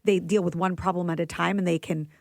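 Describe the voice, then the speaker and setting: A woman's voice: fairly low pitch, steady tone, fast, gravelly, darkish tone, dry recording, clean studio sound. A woman in her forties co-hosting a radio show, telling a story in a chatty way and laughing often. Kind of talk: casual radio chat. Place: radio studio.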